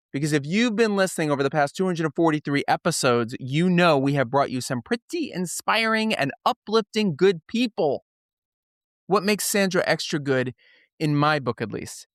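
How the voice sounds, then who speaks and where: A man's voice: a little high, a bit bright, no echo, clean studio sound. A man hosting a podcast in an upbeat, conversational style, with a folksy, emphatic and playful delivery. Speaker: podcast host.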